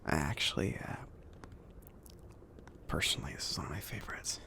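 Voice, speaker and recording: A man playing a chill, friendly mage in an ASMR roleplay, speaking softly between whisper and murmur in a casual, hesitant, rambling way. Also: a bass voice, expressive, normal speed, full character voice. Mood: relaxed, explanatory. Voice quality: soft, breathy whispering mixed with murmured speech. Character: chill, friendly male mage kindly outfitting his apprentice.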